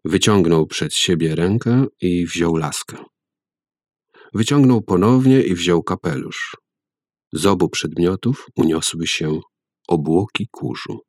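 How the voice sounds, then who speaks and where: A man narrating a story aloud in a measured, calm reading voice. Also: sits low, dry recording, clean studio sound.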